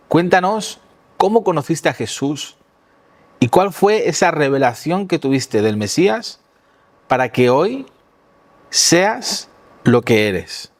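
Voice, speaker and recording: A man's voice: on the high side, a little mellow. A man hosting a ministry interview, introducing his guest in an inviting way. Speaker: host.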